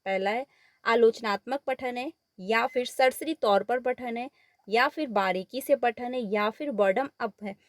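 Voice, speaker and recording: A woman's voice: a little high, unhurried, dry recording, studio quality. A woman teacher, walking through exam questions step by step, mixing English words into her Hindi and repeating the answers. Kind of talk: exam paper walkthrough lesson.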